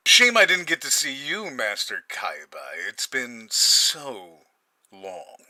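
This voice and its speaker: A vengeful audio drama villain, acted by a man, mockingly polite. He drawls very slowly in a piercing tone that swoops wildly in pitch. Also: wildly swooping pitch, bright, forceful tone, heavily acted, poor audio. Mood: menacing.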